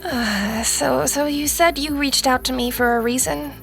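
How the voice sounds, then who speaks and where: A woman playing a bewildered, earnest sixteen-year-old girl in an audio drama, speaking in a hesitant, halting, sincere way. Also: high-pitched, vocal fry, fairly bright tone, soft background music, exaggerated voice. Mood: stunned. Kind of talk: audio fiction drama acting.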